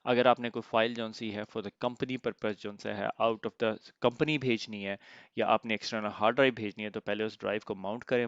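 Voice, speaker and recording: Guy teaching a computer class, deepish voice, bit of a sore throat, lo-fi mic, keys clicking behind. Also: no echo. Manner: explains step by step, often asks "theek hai?". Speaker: IT instructor. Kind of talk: screen-recorded software tutorial.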